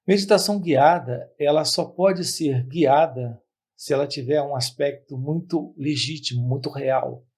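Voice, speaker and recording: Male spiritual teacher, gravelly and husky, slightly high, measured teaching talk to camera. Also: darkish tone. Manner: measured, repetitive phrasing with pauses.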